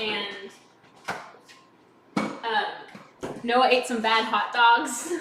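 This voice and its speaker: Speaking very slowly with long, frequent pauses, a woman uses a fairly high pitch, fairly even intonation and an American accent. Music plays behind her, and the room echo is audible. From Texas, San Antonio. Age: 20s. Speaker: baking livestreamer. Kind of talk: casual livestream chat while baking. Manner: casual, chatty.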